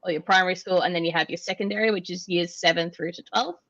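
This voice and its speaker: A young woman with an Australian accent talks at a relaxed pace, dotting her explanations with "um". Her voice sits on the low side. The audio is dry and slightly dull, with the muffled sound of a basic mic. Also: no room sound. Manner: relaxed, explanatory, frequent "um" pauses. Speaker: guest, industrial automation engineer. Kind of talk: casual interview answers.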